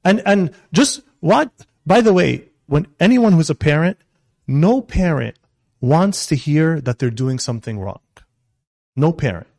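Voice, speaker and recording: A man's voice: fairly high pitch, expressive, vocal fry, a little mellow, dry recording, clean studio sound. A man, a Christian counselor, giving an informal teaching talk to a live group, often restarting sentences and checking in with the room. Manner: halting, with many restarts and "right?" check-ins.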